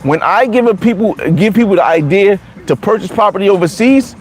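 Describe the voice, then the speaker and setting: A man's voice: high voice, expressive, a little fast. A man in his forties, a vlogger chatting casually and bluntly, repeating himself and restarting often. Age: 40s. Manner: blunt, repetitive, many restarts. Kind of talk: casual livestream chat reading comments.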